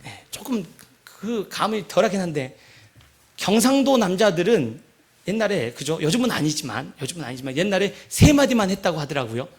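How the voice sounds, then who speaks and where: High-voiced gravelly pastor preaching. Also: male voice, very animated, fairly quick. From Jeolla province, Korea. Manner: conversational preaching, asks the congregation questions often. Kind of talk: sermon. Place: church sanctuary.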